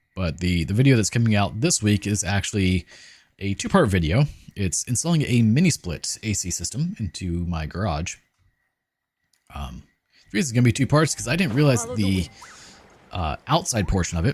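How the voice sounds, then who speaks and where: Speaking at a moderate pace with long, frequent pauses, a man with a somewhat breathy, fairly low voice makes very wide pitch swings. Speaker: gaming streamer. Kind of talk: casual chat.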